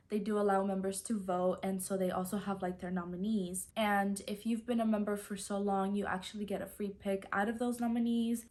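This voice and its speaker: A woman's voice: mid-range voice, a little mellow. A woman whose first language is Spanish, chatting casually about a stack of new books and filling her talk with "like" and "so". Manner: chatty, fills with "like" and "so". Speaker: book vlogger. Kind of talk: casual book haul chat.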